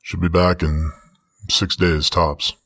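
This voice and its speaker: A man voicing a laconic male creature pilot who speaks slowly in short, clipped, matter-of-fact lines. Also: low-pitched, little pitch movement, fairly bright tone, dry recording, studio quality, voice pushed down, heavily acted. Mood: flat reassurance.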